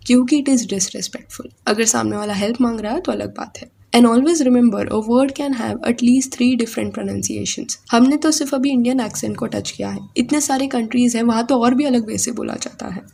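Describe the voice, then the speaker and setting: A woman's voice: a little high, normal speed, gravelly, few pauses, a little mellow, a little hiss or hum. A woman talking to her viewers in a casual commentary, giving advice and asking them to follow and subscribe. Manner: talks straight to viewers, gives advice, asks them to subscribe. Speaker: vlogger. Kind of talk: casual commentary in Hindi-English mix.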